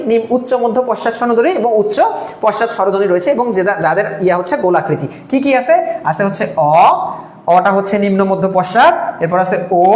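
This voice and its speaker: A woman's voice: medium pitch, a little mellow, roomy sound. A woman teaching a live online exam-prep class, drilling terms by repeating them and asking and answering her own questions.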